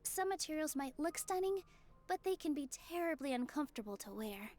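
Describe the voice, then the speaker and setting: A woman's voice: high-pitched, animated, a little fast, a little mellow. A woman voicing a polite, earnest young woman in a video game, explaining things in a friendly, scripted way. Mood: earnest, advising.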